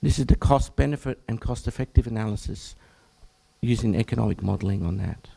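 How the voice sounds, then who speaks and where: An Australian GP is giving an information session to health professionals, his voice croaky and hoarse from a lot of talking. He keeps clearing his throat and breaking off to restart phrases. His pitch sits on the low side, his pace is fairly quick, and his tone is dark.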